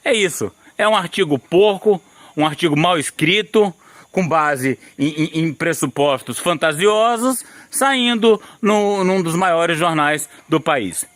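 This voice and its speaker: A Brazilian man speaks on the high side with a lively, rising and falling voice. He sounds indignant, stumbles and restarts, and keeps asking "right?". His voice is close and dry, with no room echo. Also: slow pace. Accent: Brazilian Portuguese. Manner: indignant, with many restarts and tag questions. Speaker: channel host commenting on a newspaper article. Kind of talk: opinionated video commentary.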